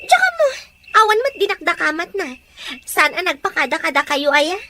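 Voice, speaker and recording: A woman acts out a young daughter complaining in an audio drama. Her voice is extremely high, with a Filipino accent. The recording has clear noise and clicks behind her. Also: very animated, normal speed. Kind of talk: Ilocano audio drama acting. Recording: clearly noisy background with clicks.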